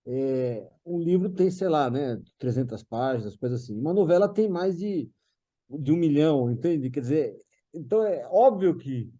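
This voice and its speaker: Brazilian man, soft dark tone, slightly high pitch, loose digressive panel talk with restarts and tag questions. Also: lively intonation, moderate pace, dull audio. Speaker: panel participant discussing a TV writer's work. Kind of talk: casual conversational explanation.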